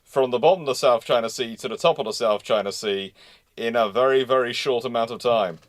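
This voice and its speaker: A man hosts a live question-and-answer session in a mid-pitched voice. He reasons aloud in a discursive way, circling back over phrases while he hunts for the right word. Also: a little fast. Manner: discursive, repeats phrases while searching for words. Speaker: host of a live naval history question session.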